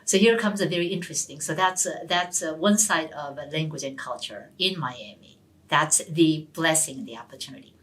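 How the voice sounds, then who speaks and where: A middle-aged woman professor, an English speaker, telling stories in an interview, animated and often restarting her words. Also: sits low, normal speed, poor audio. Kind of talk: storytelling interview answers. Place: university hall.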